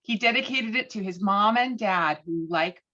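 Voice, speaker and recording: A woman's voice: medium pitch, moderate pace, bright, forceful tone. A woman chatting casually over a lo-fi video call as she takes part in a group script read. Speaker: actor and narrator in a table read. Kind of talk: casual chat. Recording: dull, lo-fi video call audio.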